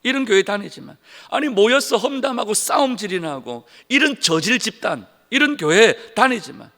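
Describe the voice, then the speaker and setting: A man's voice: high voice, big pitch swings, moderate pace, sharp tone, exaggerated voice. A man voicing an angry grown daughter who scolds her mother in a rush of urgent pleading, heard in a church hall with long reverb. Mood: scolding.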